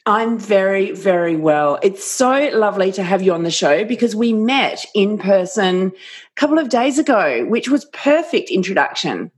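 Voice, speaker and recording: A woman's voice: mid-range voice, lively intonation, moderate pace. An Australian woman hosting a podcast and interviewing a guest, reading a scripted intro and then chatting. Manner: warm, scripted intro then easy chat. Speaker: podcast host, business coach. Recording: music bed behind voice.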